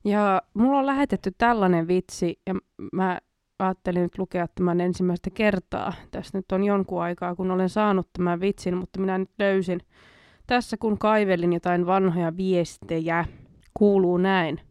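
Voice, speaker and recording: A woman's voice: fairly low pitch, steady tone, a little mellow, clear, resonant tone, no room sound, clean studio sound. A woman hosting a casual late-night show, reading jokes aloud and giggling at the punchlines. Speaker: host reading listener jokes.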